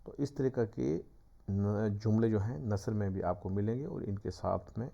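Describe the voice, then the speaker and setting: A man's voice: fairly low pitch, gravelly, warm tone. A male teacher giving a classroom lecture, patiently explaining step by step with examples. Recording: dull lo-fi recording.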